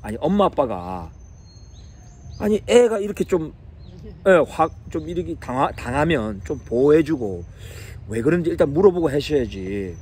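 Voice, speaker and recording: A man teaching on a psalm and telling a family story in an animated sermon style, chuckling now and then. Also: fairly high pitch, normal speed, husky. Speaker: Bible teacher.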